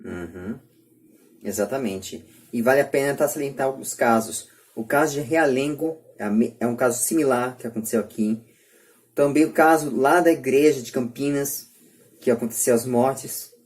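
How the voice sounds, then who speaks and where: A Brazilian man speaks as a podcast host in a serious debate. His pitch sits in an ordinary middle range. He is halting but emphatic, often repeating a phrase to drive it home. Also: a little mellow. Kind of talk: earnest podcast debate commentary.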